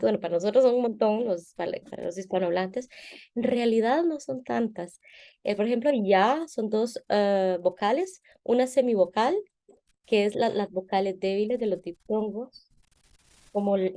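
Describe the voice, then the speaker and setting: A woman's voice: mid-range voice, warm tone. A woman voice teacher patiently explaining singing technique in an interview over a video call, often checking in with her listener.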